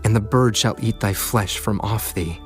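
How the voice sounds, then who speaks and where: Male actor as young dream interpreter in scripture drama: fairly low, calm, assured, formal, music clearly behind. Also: natural voice. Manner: formal, deliberate explaining.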